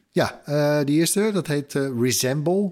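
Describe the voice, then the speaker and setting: Fairly high pitch in a man's speech, with ordinary pitch variation. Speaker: tech podcast co-host. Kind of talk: casual chat. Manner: animated; halting.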